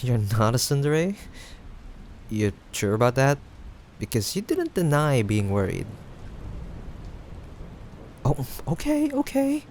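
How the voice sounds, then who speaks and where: A young man playing a playful, caring friend in a casual improvised audio roleplay, teasing yet reassuring, with hesitant pauses. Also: medium pitch, very animated, darkish tone. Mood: amused teasing. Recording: faint background noise, rain ambience. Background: rain sound effects.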